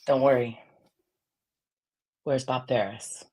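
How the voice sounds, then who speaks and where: Low, raspy woman who projects. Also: fairly even intonation, takes it slowly, mellow. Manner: projects her voice, blunt and fiery. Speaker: guest. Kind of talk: casual chat.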